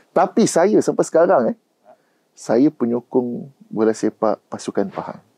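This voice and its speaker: Dry and close with no echo, a man's dark, mellow voice at a fairly high pitch moves at a moderate pace through very wide pitch swings. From Malaysia, Kuala Lumpur (TTDI), northern family. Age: 40s. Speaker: professor. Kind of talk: podcast interview. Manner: code-switching Malay and English.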